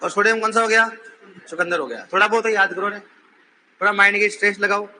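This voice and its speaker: A male teacher in a classroom, drilling his students with questions and teasing them when they falter. His voice sits high and cuts through sharply. Faint room noise runs under the recording. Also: steady tone, brisk. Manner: says he is shouting while teaching. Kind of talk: classroom lecture.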